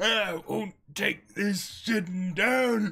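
A man uses a put-on character voice, raised and projected. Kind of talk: comic dramatic reading. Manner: passionate, stubborn, growing louder.

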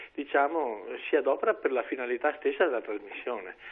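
A man speaks with a medium pitch and lively intonation in a normal speaking voice. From Padua province, Italy; Italy. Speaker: caller. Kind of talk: phone-in call. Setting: phone call. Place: studio.

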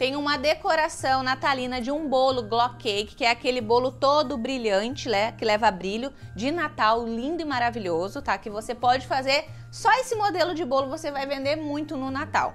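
Faint music plays in the background as a high-pitched woman talks at a moderate pace with hardly any pauses. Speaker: baking course instructor. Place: kitchen. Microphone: lapel.

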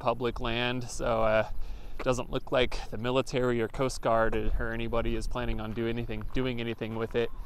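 Over light background noise in a dry recording with no echo, a man talks at a fairly quick pace with monotone, flat intonation. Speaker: explorer vlogger. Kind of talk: casual vlog chat. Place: open country. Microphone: phone near.

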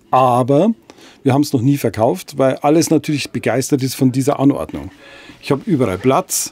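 A man's medium-pitched voice, dark and mellow in tone, with ordinary pitch variation at a moderate pace, in a dry sound with no echo over light background noise. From Bavaria, Germany. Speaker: motorhome importer and dealer. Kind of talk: product presentation. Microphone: phone near.

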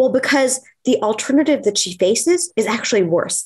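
A woman with lively intonation at a moderate pace against a quiet background. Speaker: nonprofit CEO. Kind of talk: panel discussion. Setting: video call. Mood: earnest, advocating. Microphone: webcam.

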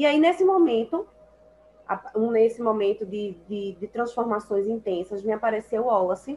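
Over light background noise, a woman speaks at a fairly slow pace in a fairly high pitch with lively intonation. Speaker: therapist and coaching graduate; coaching graduate. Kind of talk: testimonial in an online class. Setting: video call. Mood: earnest, reflective. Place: home room. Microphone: video call.

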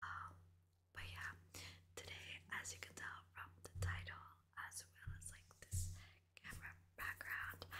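Soft-spoken and fairly slow, a woman talks with long, frequent pauses over noticeable background noise. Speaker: ASMR gaming streamer. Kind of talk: ASMR gaming commentary. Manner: soft-spoken, casual. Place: home room. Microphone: studio mic.

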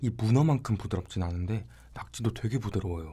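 A man speaks fairly quickly in a fairly low pitch with ordinary pitch variation. His voice is somewhat breathy, with a dark, mellow tone. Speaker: food vlogger. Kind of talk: casual mukbang commentary. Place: home room.

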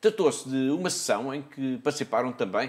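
Against a quiet background, the speaker talks at a fairly quick pace. Pitch variation is ordinary. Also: man. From Portugal. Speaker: TV presenter. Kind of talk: news reading. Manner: formal. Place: studio. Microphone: lapel.

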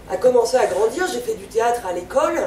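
Amid light background noise and audible room echo, a woman with a high pitch talks with ordinary pitch variation. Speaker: performer giving a gesticulated lecture. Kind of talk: storytelling stage talk. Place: stage.

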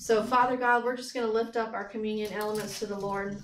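Noticeable background noise sits behind a woman who talks at a fairly quick pace with monotone, flat intonation. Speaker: church leader leading communion; speaker. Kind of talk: sermon and prayer. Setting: church with online viewers. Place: church.

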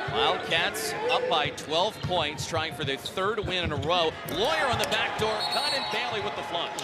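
The speech moves at a moderate pace with hardly any pauses. The sound is dry with no echo, but loud background noise is present. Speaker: play-by-play announcer. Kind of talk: live basketball play-by-play commentary. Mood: calm wrap-up after game. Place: stadium. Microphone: headset.

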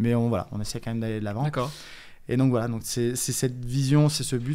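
Very fast speech from a man, with fairly even intonation. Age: 30s. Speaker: business owner, locksmith and joinery company; radio guest. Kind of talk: radio interview; interview answer. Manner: hesitant, many fillers. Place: studio. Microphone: studio mic.

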